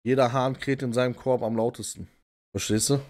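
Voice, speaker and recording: A man's voice: medium pitch, level tone, a little fast, darkish tone. Laid-back slangy male streamer. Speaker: streamer reacting to clips. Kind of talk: casual reaction commentary. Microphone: desktop condenser mic.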